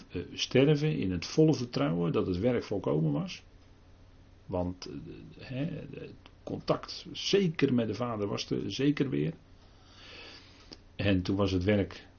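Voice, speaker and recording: An older man giving a halting Bible talk, full of pauses and restarts. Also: deep voice, vocal fry, a little mellow, slightly rough, dull audio. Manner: halting, many fillers and restarts. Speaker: preacher.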